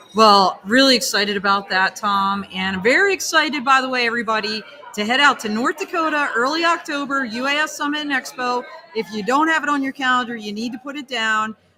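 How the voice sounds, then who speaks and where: Loud and animated, a woman with a high pitch talks at a fairly quick pace with lively intonation over noticeable background noise. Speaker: podcast co-host. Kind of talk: live interview. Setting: conference floor during break.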